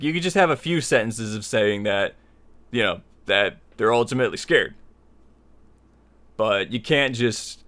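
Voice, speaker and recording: A man's voice: medium pitch, fairly bright tone. A man hosting a tutorial, explaining his opinions in a conversational, rambling way and repeating himself for emphasis. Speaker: tutorial series host. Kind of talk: informal spoken lesson, opinionated explanation.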